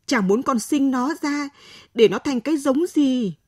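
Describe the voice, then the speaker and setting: A woman reading a story aloud, voicing a defiant young pregnant student whose voice is sharp and rising. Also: fairly high pitch, animated, moderate pace, slightly rough, no echo, studio quality. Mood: defiant, bitter.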